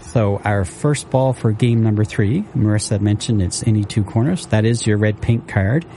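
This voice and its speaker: A man calling bingo numbers on local radio, repeating each one slowly and steadily. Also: fairly low pitch, dark tone, faint music behind.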